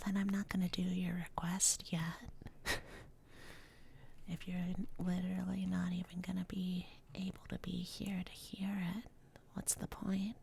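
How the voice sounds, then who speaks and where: Whispering woman streamer, low, gravelly, slow and easygoing chat. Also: slight background noise. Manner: soft unvoiced whisper, rambling and chatty.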